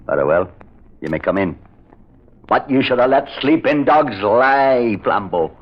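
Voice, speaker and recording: A man's voice: mid-range voice, expressive, a little slow, lightly acted. An actor playing a suspicious, guarded man who warns off visitors in an old-time radio mystery, terse and stern. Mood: grudging, ominous. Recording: muffled, noisy old radio recording.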